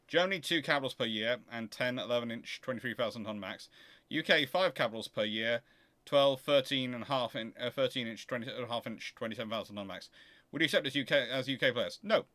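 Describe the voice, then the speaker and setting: Guy doing a casual q&a, firm opinions, says things again to drive them home, mid pitched voice. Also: fast, sharp tone. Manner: opinionated, emphatic, repeats points for emphasis. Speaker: host answering audience questions. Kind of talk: informal naval history question-and-answer talk.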